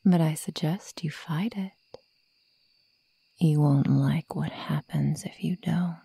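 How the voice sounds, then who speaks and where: A woman playing a sadistic female werewolf toying with human prey in a breathy, menacing, mockingly sweet ASMR roleplay whisper. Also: sits low, steady tone, slow pace, dark tone, no echo, full character voice. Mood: gloating, sadistic.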